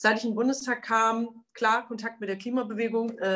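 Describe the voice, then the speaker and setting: The background is quiet. A woman speaks with a fairly high pitch. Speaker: member of parliament, climate policy spokesperson. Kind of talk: political statement. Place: office. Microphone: webcam.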